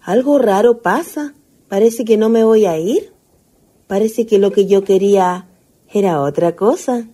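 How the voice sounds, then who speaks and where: A woman's voice: mid-range voice, measured pace, dark tone, slightly rough. A woman playing a lovestruck young ghost, a naive country girl with a Chilean accent and earnest colloquial speech, in a radio play. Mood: anxious. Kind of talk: radio theatre acting.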